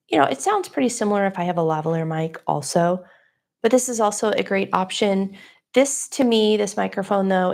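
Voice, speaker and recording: A soft-spoken woman in her home studio, explaining her audio setup in a conversational, explanatory way. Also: fairly low pitch, gravelly. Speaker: audio gear reviewer. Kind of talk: livestream gear demo. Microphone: changing between studio mics.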